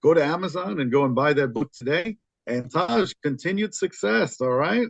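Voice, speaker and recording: A man's voice: a little high, animated, normal speed, creaky, breathy edge, dry recording. A man hosting a podcast, closing out an interview in an upbeat, complimentary way. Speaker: podcast host. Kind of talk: wrapping up an interview. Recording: dry, dull lo-fi audio.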